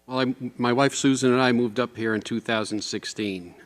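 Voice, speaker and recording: A man's voice: mid-range voice, steady tone, normal speed. An older man giving a plain-spoken, personal closing statement as a candidate at a public forum. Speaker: candidate for town boards. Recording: echoey hall with long reverb.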